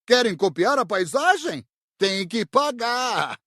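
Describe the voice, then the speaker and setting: Woman doing a taunting nasty spirit, brazilian accent, husky n swoopy, audiobook villain. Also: on the high side, very animated, slow pace, pushed and bright, no echo, clean studio sound, full character voice. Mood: mocking, aggressive. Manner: taunting, mocking. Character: jeering, insolent spirits of the dark underworld. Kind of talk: audiobook character acting.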